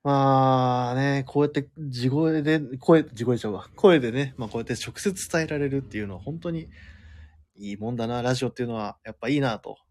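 A man's voice: medium pitch, a little fast. A man hosts a live radio show by himself in a loose, chatty way. He laughs easily as he works through listener comments, with an everyday mid-range voice. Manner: relaxed and chatty, laughing often, with many fillers.

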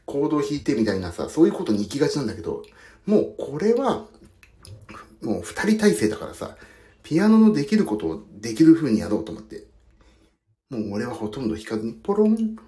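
A man's voice: medium pitch, mellow. A man, a pianist, chatting casually about his work while soaking his feet in a bath, telling stories with self-mocking asides. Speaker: pianist and audio podcaster. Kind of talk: casual rambling chat. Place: bathroom, in a foot bath. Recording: echoey bathroom acoustics.

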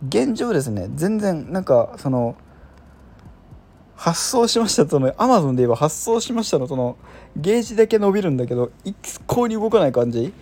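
A man's voice: a little high, sing-song, fairly quick, warm tone. A man hosting a casual solo chat show, rambling and self-deprecating with lots of filler words. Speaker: podcast host.

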